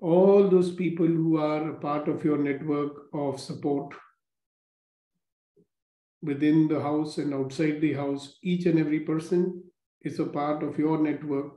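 A man leading a guided gratitude meditation, speaking slowly and calmly with repeated phrases. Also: on the high side. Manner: slow, calm, repetitive instructions. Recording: roomy, dull lo-fi recording.

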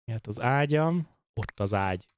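Excitable Hungarian man streaming a game. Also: medium pitch. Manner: excitable, yelps and swears at in-game scares. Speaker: gaming streamer. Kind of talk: casual let's-play commentary.

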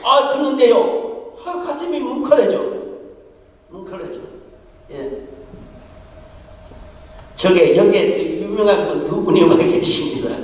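A man's voice: high-pitched, very animated, moderate pace, a little mellow. A man preaching a sermon as a pastor, telling a story with laughter and acting out a conversation. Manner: storytelling with laughter and quoted exchanges. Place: church sanctuary. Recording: distant mic in a large echoing church hall.

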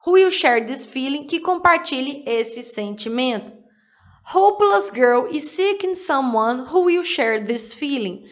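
A woman with a high, animated voice teaches English through song lyrics at a slow pace. She works through the lines word by word, repeating every phrase alongside its translation.

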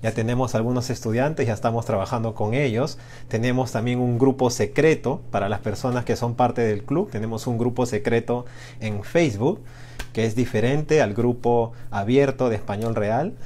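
A man's voice: mid-range voice, moderate pace, warm tone. Male Spanish-teacher host, encouraging, hesitant with fillers, slight background hiss. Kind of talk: live-streamed language lesson chat.

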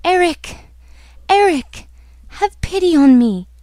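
Woman acting a distraught young opera singer, high-voiced. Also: expressive, normal speed, gravelly, a little mellow, dry recording. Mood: frantic, pleading. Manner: dramatic, pleading, exclamatory. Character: distraught, fearful young female opera singer, earnest and devoted.

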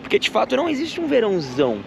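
A man's voice: very high-pitched, racing, vocal fry, background noise. A man in his thirties chatting casually as a travel vlogger, filming himself at arm's length while showing a hotel room and then walking along the waterfront. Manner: chatty and animated, pointing things out as he walks. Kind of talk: casual travel vlog to camera. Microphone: camera held at arm's length.

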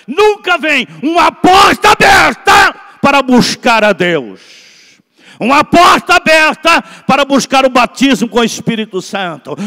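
A man in his sixties with a Brazilian Portuguese accent, preaching a Pentecostal sermon from a church pulpit, building to shouts and then dropping low. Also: vocal fry. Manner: preaching with swelling shouts and quiet drops. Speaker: pastor. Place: large church sanctuary at a pulpit. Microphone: pulpit microphone. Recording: long reverb of a large church.

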